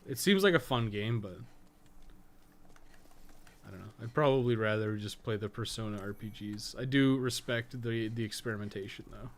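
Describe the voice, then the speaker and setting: A man's voice: lowish voice, normal speed. A man giving casual, unscripted gameplay commentary as a streamer, rambling and thinking aloud with frequent swearing. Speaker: game streamer and podcast co-host. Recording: clearly noisy background.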